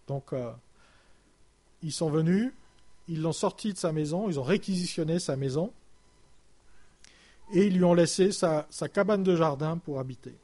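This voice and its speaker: A man preaching a sermon in French, telling a story with many pauses and restarts, his voice sinking quiet at the ends of phrases. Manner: halting, with many restarts and fillers, voice dropping low and soft at phrase ends.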